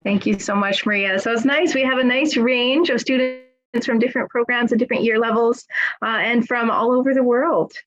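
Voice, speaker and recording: A middle-aged woman, a nursing school director, moderating a webinar panel with a warm, encouraging way of asking questions. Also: on the high side, a little fast. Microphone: video call. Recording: slightly dull video-call audio.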